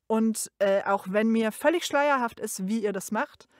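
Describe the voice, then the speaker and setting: A woman's voice: fairly high pitch, unhurried, no echo. A woman recording an informal congratulatory voice message in a chatty, emphatic way. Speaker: guest sending a recorded greeting.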